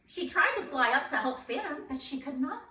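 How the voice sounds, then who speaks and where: A woman reading a children's picture book aloud in a playful, expressive way, asking her young listeners questions. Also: high-pitched, fairly quick, echoey room, distant mic.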